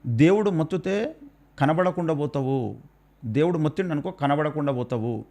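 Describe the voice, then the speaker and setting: A man's voice: fairly high pitch, animated, moderate pace, warm tone. Scolding man with a Telangana Telugu accent. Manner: scolding, hammering rhetorical questions and repeated warnings. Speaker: Christian commentator. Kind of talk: preachy rebuttal.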